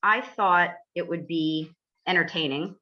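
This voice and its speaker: A woman's voice: fairly low pitch, unhurried, lo-fi sound. A woman, an environmental attorney, hosting a casual podcast and running a quiz with dry, teasing humor.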